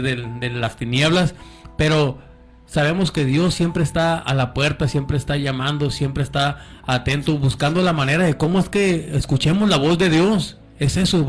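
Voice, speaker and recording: A man hosting a Christian radio program, introducing a guest's testimony in a preachy tone with many hesitant restarts. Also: fairly high pitch. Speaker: radio show host.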